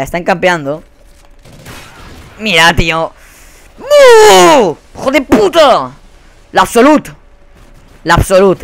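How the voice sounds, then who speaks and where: Young spanish guy swearing over a shooter, voice sits a bit high, faint gunfire under it. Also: a little hiss or hum. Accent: Spanish from Spain. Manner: swearing, exasperated, quick to rage-shout. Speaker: gaming commentator. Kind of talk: live gameplay commentary. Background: faint gunfire from the game.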